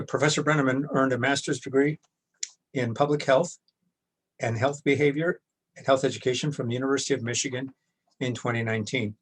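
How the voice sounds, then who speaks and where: Male moderator, slightly husky, mid pitch, formal and measured, speaking over a video call. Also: rough recording. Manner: measured and formal, reads introductions with occasional restarts. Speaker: workshop moderator.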